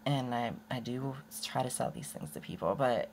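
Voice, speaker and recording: A young woman rambling candidly in a casual unedited vlog, her voice prone to going hoarse. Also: very deep voice, moderate pace, a little hiss or hum. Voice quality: voice often goes hoarse. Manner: rambling and candid, with many restarts and laughs. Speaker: vlogger.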